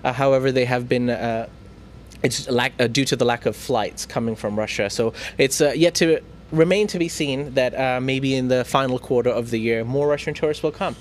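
A man's voice: mid-range voice, normal speed, a little hiss or hum. A man hosting a casual news chat, talking in a playful, teasing way with plenty of fillers. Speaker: news show host.

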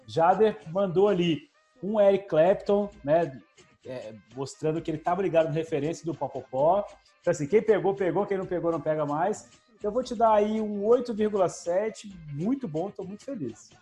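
A man's voice: high voice, normal speed, mellow, faint music behind. A man co-hosting a comedy podcast, judging with rambling, enthusiastic talk that stumbles over words. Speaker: podcast co-host judge.

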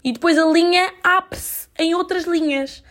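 A woman's voice: very high-pitched, steady tone, a little slow, a bit bright. A young woman from Portugal with a European Portuguese accent, chatting casually to her viewers in a self-mocking, slang-filled way. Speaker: vlogger. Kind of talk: casual storytelling to camera.

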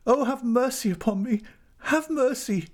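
A man's voice: a little high, lively intonation, moderate pace, warm tone, husky, voice pushed up. A man voicing a desperate, pleading young wife, devoted and frightened, in a dramatic audiobook reading. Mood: shrieking anguish. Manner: imploring, emotional.

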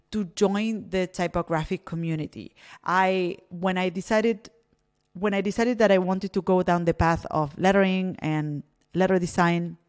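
A woman in her thirties from Argentina talks through her solo podcast episode. Her voice sits a little low. She speaks in a reflective, unhurried way, often pausing on fillers and restarting her phrases. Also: darkish tone. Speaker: podcast host.

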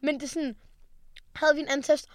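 A teenage girl co-hosting a podcast, telling rambling, animated stories in casual chat. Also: sits high, no echo, studio quality. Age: late teens. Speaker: podcast co-host. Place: studio.

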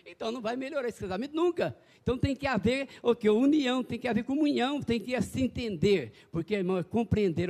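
High-voiced preaching man. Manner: folksy, animated preaching with calls to the congregation. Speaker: pastor. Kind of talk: evangelical sermon.

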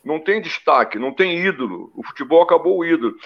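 A man's voice: a little high, fast talker, gravelly. Man recalling old football, lo-fi. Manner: animated storytelling, lists names. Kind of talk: casual panel discussion. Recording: dull lo-fi recording.

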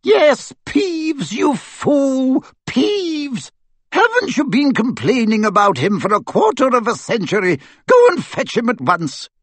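Brief: fierce older headmistress type, clipped and commanding, read by a man, higher than his own voice. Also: big pitch swings, normal speed, breathy edge, no room sound, exaggerated voice. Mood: furious. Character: stern commanding older Scottish witch professor.

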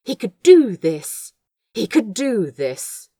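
A woman's voice: mid-range voice, slow pace, husky, no room sound, studio quality. A woman reading fiction aloud as dramatic, theatrical narration. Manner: expressive, theatrical storytelling. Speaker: audiobook reader of fan fiction.

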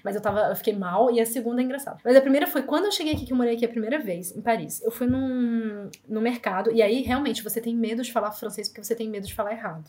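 A Brazilian woman in her thirties with a Brazilian Portuguese accent, telling lively anecdotes fast in an interview. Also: a little high. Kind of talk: casual storytelling.

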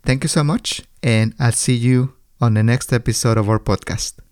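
A man hosting a podcast, explaining things to language teachers in a measured monologue with careful, chunked phrasing. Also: mid-range voice, darkish tone, clean tone, dry recording. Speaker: podcast host and language educator.

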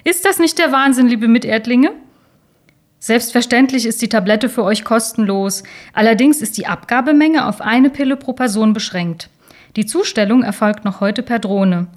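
A woman doing a smarmy, booming government spokesman. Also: moderate pace, close to an everyday voice. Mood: gushing. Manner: loud, syrupy and exaggerated.

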